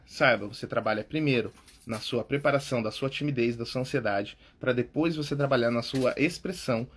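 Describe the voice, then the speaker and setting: Brazilian guy coaching ppl on public speaking, husky kinda high voice, chatty. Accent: Brazilian Portuguese. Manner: informal, often says "cara" and "tá?". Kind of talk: casual coaching talk.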